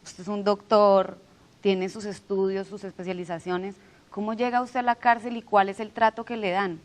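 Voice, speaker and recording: A woman's voice: medium pitch, fairly even intonation, normal speed. A woman hosting a TV interview, asking direct, formal questions. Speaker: TV interviewer host.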